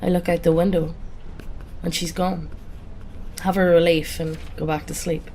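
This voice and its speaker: A woman with a cold reading a horror story aloud in a calm first-person voice. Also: fairly low pitch, normal speed, slight background noise, rough recording. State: has a cold. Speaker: narrator.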